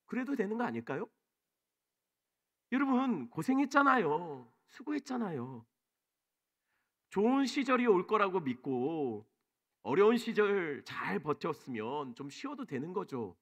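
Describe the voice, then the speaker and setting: A male senior pastor giving a Sunday sermon in a church, swinging between loud emphatic lines and soft hushed ones, acting out the words of the people in his stories. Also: high-pitched, sing-song, unhurried, pauses often. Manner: acts out quoted speech of the people he tells about. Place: church sanctuary.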